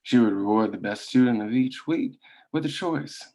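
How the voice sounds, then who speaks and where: An actor playing a patient, self-assured and menacing company owner in a script table read, telling his story in a measured, deliberate way. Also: medium pitch, dark tone, lightly acted. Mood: smug, deliberate.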